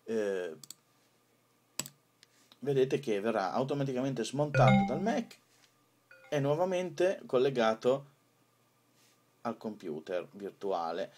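A man presenting an informal software tutorial, improvising hesitantly with drawn-out pauses. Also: medium pitch, sing-song.

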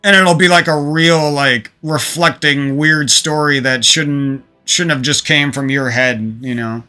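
A man's voice: a little high, fairly even intonation, measured pace, sharp tone, soft background music. A man talking to his stream viewers into a desk microphone from a room at home, venting about past relationships in a rambling, profane way with many restarts. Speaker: gaming streamer.

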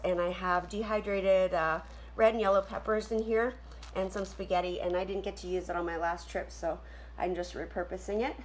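In a casual camping show-and-tell vlog, a middle-aged Canadian woman quickly lists her gear, chatty and full of ums and uhs. Her voice is mid-range with slight background noise. She is filmed indoors at home on a nearby camera, in a room with a wooden floor.

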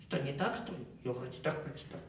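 A man's voice: on the high side, animated, quick pace, slight background noise, close to an everyday voice. A man playing a chatty know-it-all clown. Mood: eager. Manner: eager, rambling explanations with many fillers. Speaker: clown co-host of a children's bedtime show. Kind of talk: playful children's TV banter. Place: indoor TV studio set. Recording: roomy studio set, mic at a distance.

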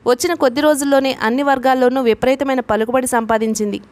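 A woman's voice: high-pitched, steady tone, fast, a little mellow, close to an everyday voice. A woman reading as a plain-spoken male associate. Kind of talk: reading a novel aloud.

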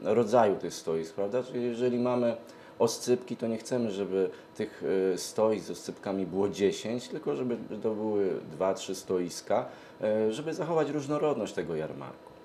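A middle-aged man answers interview questions hesitantly, pausing often mid-sentence. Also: on the low side, animated, warm tone, slight background noise. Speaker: event organizer, interview guest. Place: TV studio, seated at a glass desk. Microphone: lapel mic.

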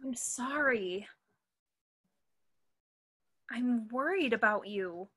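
A frank, worried young friend in a stage drama, acted by a woman. Her voice is slightly high and bright, with slow delivery. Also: expressive, exaggerated voice. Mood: gentle, wry. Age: young adult. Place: room at home. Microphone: computer mic on video call.

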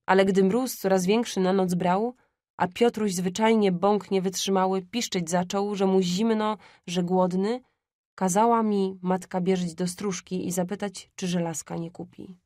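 A woman narrating an audiobook of a classic story in a measured, expressive way. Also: medium pitch, no room sound, clean studio sound.

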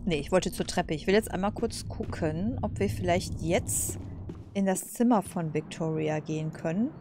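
A woman's voice: on the low side, moderate pace, background noise. A woman casually commenting over a game, chatty, laughing and cursing at setbacks. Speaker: let's play host.

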